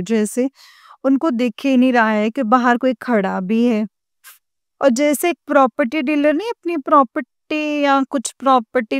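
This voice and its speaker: A woman telling her dream to a spiritual congregation, mixing English words into Hindi, with slow pauses and hesitations. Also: sits high, dry recording, studio quality. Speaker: devotee sharing a dream experience. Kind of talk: personal testimony to a spiritual congregation.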